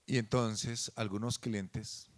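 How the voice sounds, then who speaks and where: A man preaching a sermon in a church, moving from quiet conversational talk to loud, fervent passages. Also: fairly low pitch, fairly even intonation, slow pace.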